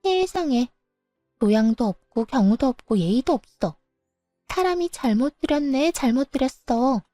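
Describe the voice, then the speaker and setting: A woman's voice: sits high, animated, moderate pace, warm tone, dry recording, faint music behind, pitched above the performer's own voice. A woman voicing a brash, bossy middle-aged mistress who scolds shrilly in a storybook reading. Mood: indignant.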